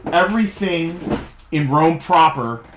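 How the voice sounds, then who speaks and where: A relaxed man co-hosting a collectibles live stream, chatting easily and offering friendly tips. A clear background noise sits under his voice, like home stream audio. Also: fairly high pitch, takes it slowly, echoey room. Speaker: co-host of a toy shop live stream. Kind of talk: casual chat while running a stream.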